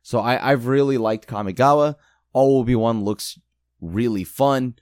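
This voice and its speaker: A hoarse man co-hosting a casual podcast, halting and repeating words as he thinks aloud. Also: mid-range voice, a little mellow, no room sound, clean studio sound. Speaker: podcast co-host.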